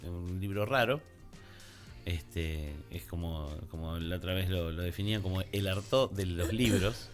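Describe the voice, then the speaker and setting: Argentine male co-host, low voice, rambling informal anecdotes with faint music underneath. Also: unhurried. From Punta Alta, Argentina. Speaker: radio co-host. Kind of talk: casual anecdotal chat.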